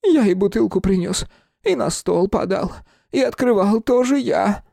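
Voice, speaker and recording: A man voicing an excitable, fervent male helper to a fortune-teller, who talks in shrill, pleading outbursts. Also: normal speed, vocal fry, no echo, studio quality, exaggerated voice.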